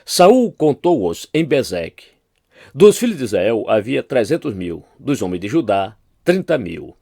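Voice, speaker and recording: A Brazilian pastor reads scripture aloud with a lively, swinging pitch, his voice rising for every quoted line. The sound is dry and close, with no room around it. His pitch sits in the middle range for a man. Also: measured pace, vocal fry, dry recording. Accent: Brazilian Portuguese. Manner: expressive reading, lifts voice for quoted speech. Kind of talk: Bible reading.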